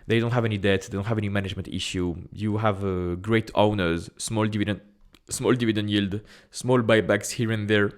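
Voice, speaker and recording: A man's voice: on the low side, fairly even intonation, fairly quick, few pauses. Man with a strong French accent. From France. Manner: chatty and direct, repeats phrases, frequent "uh" fillers. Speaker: investing YouTuber. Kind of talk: casual talk to camera.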